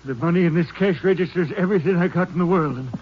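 An actor playing a kindly older small-town hardware store owner in a 1950s radio drama, folksy and gentle in his talk. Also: sits high, racing, breathy edge. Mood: frightened. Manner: folksy, gentle, stammering when scared. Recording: dull old radio transcription with faint hiss.

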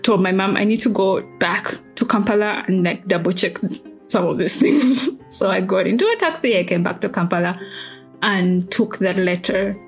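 A woman's voice: medium pitch, lively intonation, normal speed, soft background music, rough recording. A woman in her twenties with a Ugandan accent, telling a personal story in a conversational, reflective way. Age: 20s. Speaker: interviewed alumna, history PhD student.

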